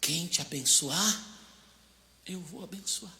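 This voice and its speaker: A Brazilian pastor preaching a storytelling sermon, swinging from hushed asides to loud outbursts, in a church hall. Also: male voice, a little high, takes it slowly, gravelly. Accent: Brazilian Portuguese.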